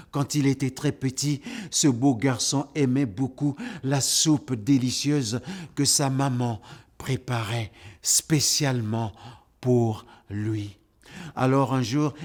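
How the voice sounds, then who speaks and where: A man telling folktales aloud in a playful, lively way, repeating words for effect. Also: medium pitch. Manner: playful, lively, repetitive storyteller's delivery. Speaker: storyteller. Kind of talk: animated oral storytelling.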